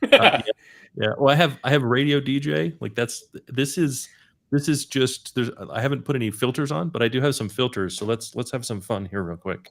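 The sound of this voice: Speaking at a fairly quick pace, a man with a medium pitch shows vocal fry and lively intonation.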